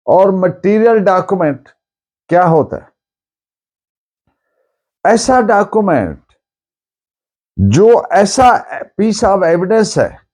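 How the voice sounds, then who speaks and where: A Pakistani man delivers a legal lecture at an unhurried pace. His voice sits a little high for a man, yet its tone is soft and warm. He is deliberate and explanatory, restating each point in other words. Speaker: law lecturer. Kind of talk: lecture mixing Urdu with English legal terms.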